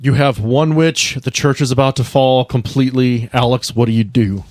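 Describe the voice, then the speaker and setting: A man's voice: mid-range voice, fairly even intonation, normal speed, darkish tone, no echo. A man running a tabletop game on a podcast, narrating the action and making rulings in a casual way. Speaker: game master of an actual-play podcast.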